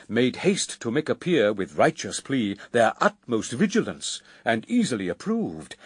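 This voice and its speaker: A man as a grave poet narrator, reading epic verse in a measured, declamatory way for radio drama. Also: mid-range voice, slightly rough, dry recording, exaggerated voice.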